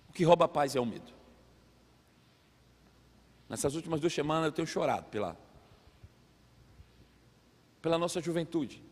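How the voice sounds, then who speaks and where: High-voiced pastor preaching in a reverberant hall. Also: male voice, moderate pace, long pauses. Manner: animated storytelling, acts out voices. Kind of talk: sermon.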